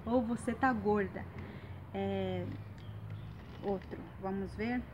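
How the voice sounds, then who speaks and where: Teaching phrases in a relaxed online class, a woman whose first language is Guarani says each one slowly, often pausing and hesitating, in her Guarani accent. She speaks at a medium pitch in a steady tone, with noise in the background.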